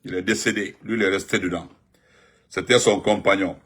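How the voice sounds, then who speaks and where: A man, giving animated live-stream political commentary and greeting viewers, repeating himself and jumping up in pitch when he stresses a point. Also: normal speed, slightly rough. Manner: excited, repetitive, pitch jumps up sharply when emphatic.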